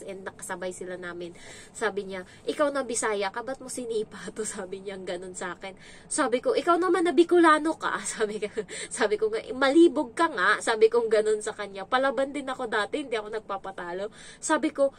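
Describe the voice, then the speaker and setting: A young woman talks casually to her camera, telling stories with lively imitations. Her voice sits at a middle pitch for a woman. A faint steady room noise runs underneath. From Visayas, Philippines. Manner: chatty, animated storytelling with imitations. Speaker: domestic helper vlogger.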